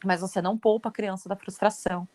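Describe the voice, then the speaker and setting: A woman's voice: medium pitch, steady tone, fast, a little mellow, dry recording. A woman with a Brazilian Portuguese accent explaining parenting ideas on a podcast, emphatic and blunt. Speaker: podcast host, parenting educator.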